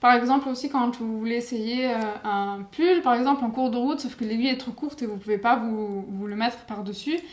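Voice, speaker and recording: A high-pitched woman's voice, moving fairly quickly. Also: ordinary pitch variation. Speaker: knitting youtuber and designer. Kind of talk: tutorial. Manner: halting, many hesitations.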